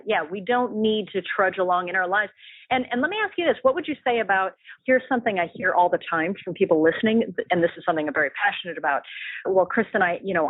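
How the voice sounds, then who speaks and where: A woman's voice: on the low side, dry recording. A woman hosting a conversational online interview in an effusive, encouraging way. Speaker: interview host. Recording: phone-like, narrow-band dry call audio.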